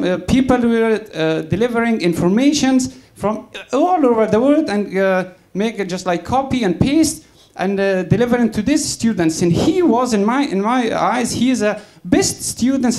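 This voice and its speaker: A man from Afghanistan in the audience, making a halting, accusing comment at a public debate with many fillers. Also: sits high, a little mellow. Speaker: audience member.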